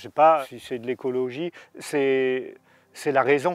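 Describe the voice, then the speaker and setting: A man talks fairly slowly, his voice at a medium pitch. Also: very clean recording, silent background. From Alsace, France. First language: Alsatian (speaking French). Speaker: jam maker. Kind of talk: casual interview. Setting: outdoors.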